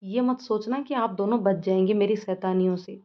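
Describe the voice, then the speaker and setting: A woman's voice: mid-range voice, moderate pace, close to an everyday voice. A cheeky young daughter full of mischief, as a woman narrator puts her on. She teases her parents in a light, playful way. The sound is a bit dull and lo-fi. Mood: teasing. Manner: cheeky and teasing. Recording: slightly muffled lo-fi recording.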